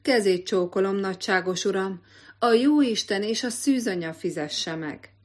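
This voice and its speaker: A woman voicing a shrewd, theatrical peasant wife who laments and pleads loudly. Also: mid-range voice, lightly acted. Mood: grateful.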